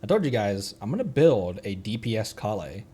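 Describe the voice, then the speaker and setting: A man doing casual livestream game commentary in a playful, excitable manner. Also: on the low side, a little fast, breathy edge. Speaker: streamer.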